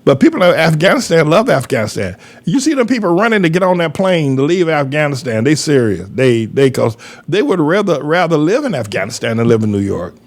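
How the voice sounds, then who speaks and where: An older man preaches in a fairly high voice that swings widely up and down. He hammers his points home by repeating them, in a folksy and emphatic style. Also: big pitch swings, fairly quick. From North Carolina, USA. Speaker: pastor. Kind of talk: preaching commentary monologue.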